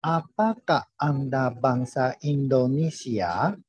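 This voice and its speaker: A man recites language-drill sentences extremely slowly and carefully, as a student would. His voice is husky, and it comes through an online call with a dull, muffled sound. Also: mid-range voice, lively intonation, a little mellow, no echo.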